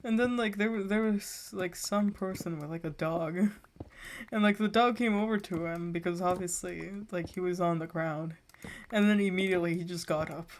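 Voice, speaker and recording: A woman's voice: lowish voice, moderate pace, slight background noise. A teenage woman streaming a game and telling a rambling story in casual chat, full of filler likes. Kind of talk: casual chat while gaming.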